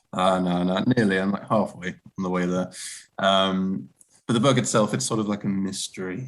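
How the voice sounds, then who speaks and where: A man talks in a very deep, low voice. The rise and fall of his pitch is ordinary. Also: moderate pace. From northern England, Lancashire. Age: 20s. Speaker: writer. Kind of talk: casual chat. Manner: halting, many fillers.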